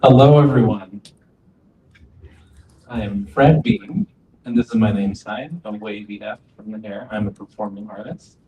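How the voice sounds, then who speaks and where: A man voicing deaf panelists' introductions as a sign language interpreter, speaking calmly in short phrases. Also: fairly low pitch, moderate pace. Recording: dull, distant, echoey, faint ambient noise.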